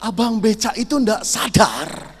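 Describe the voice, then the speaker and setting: Middle-aged male pastor, comic storytelling sermon, high lively delivery in a reverberant hall. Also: a little slow, a little hiss or hum. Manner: animated, jokey, acts out dialogue and sound effects. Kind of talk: lively sermon with acted-out stories. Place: large hall at a youth camp.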